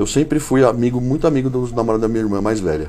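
A man with a dark, mellow tone talks very fast. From São Paulo state, Brazil (Santo André). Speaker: bodybuilder. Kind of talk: casual chat.

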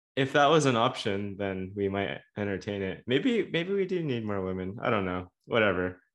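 A man with a normal speaking voice, fairly low in pitch, at a moderate pace with lively intonation and hardly any pauses. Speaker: podcast host. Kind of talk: casual chat.

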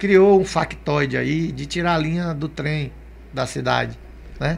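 A man is speaking. His pace is moderate. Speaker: politician. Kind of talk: interview.

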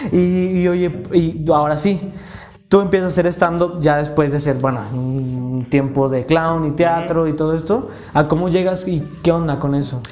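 A man's fairly high voice at a fairly slow pace, with music behind him and audible room echo. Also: ordinary pitch variation. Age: 20s. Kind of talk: casual chat.

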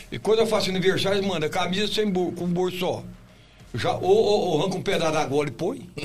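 A man at a high pitch and fairly quick pace, with ordinary pitch variation and music in the background. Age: 70s. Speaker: rodeio announcer and storyteller. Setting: studio.

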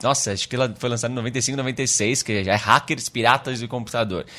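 A man's bright, sharp tone comes at a moderate pace. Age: 30s. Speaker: cybersecurity specialist and YouTuber. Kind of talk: casual interview chat.

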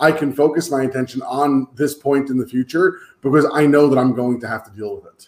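A man talks in a normal speaking voice at fairly high pitch with fairly even intonation. His loudness swings widely. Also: fairly quick pace. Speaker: solution engineering executive, co-host. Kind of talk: panel conversation.

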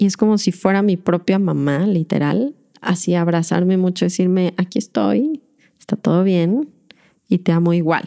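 A woman's medium-pitched voice with a dark, mellow tone, ordinary pitch variation, very even loudness and a moderate pace. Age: 30s. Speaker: spiritual teacher. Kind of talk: podcast monologue.

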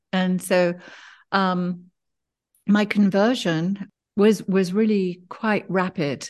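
A woman with a British accent at a very slow pace, fairly even intonation and long, frequent pauses, over a quiet background. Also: medium pitch for a woman. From Kenya, East Africa (British family). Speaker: theologian. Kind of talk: interview, personal life story. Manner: halting, with repeated words.

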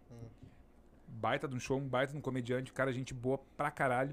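A man is speaking. His pace is fairly quick. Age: 40s. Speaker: stand-up comedian and actor. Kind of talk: casual chat.

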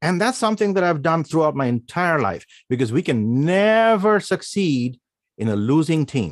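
A man with a non-native accent speaks in a fairly high voice with very wide pitch swings, recorded dry and close with no echo over a quiet background. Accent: non-native accent, clear diction. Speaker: conference speaker and author. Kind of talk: conference presentation with Q&A. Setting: online conference call. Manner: clear, deliberate diction.

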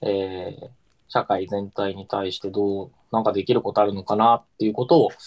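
With an unremarkable speaking voice, a man of fairly low pitch talks at a moderate pace in fairly even intonation. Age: 30s. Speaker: family business executive. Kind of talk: interview. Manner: thoughtful, pausing.

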